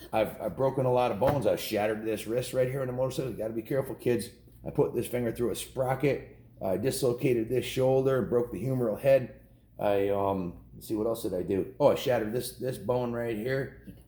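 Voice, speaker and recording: A man's voice: mid-range voice, moderate pace, darkish tone. A man in his fifties with an American accent reads aloud to children, storytelling in a folksy, informal way with casual asides and small self-corrections. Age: 50s. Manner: folksy, informal, often repeats and corrects himself. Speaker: storyteller reading a children's book to kids. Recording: roomy echo with faint background noise.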